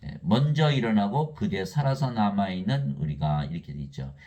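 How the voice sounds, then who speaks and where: Low-voiced man preaching a sermon. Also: lively intonation, moderate pace, dark tone. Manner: preaches with rhetorical questions and frequent affirming "yes"; chuckles between points. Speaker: pastor.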